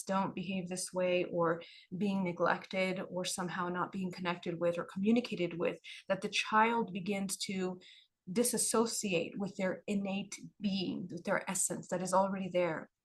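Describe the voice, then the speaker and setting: A hoarse woman giving a livestreamed spiritual talk in an unhurried, soft-spoken way, often repeating phrases. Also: mid-range voice. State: hoarse, losing her voice. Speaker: spiritual teacher.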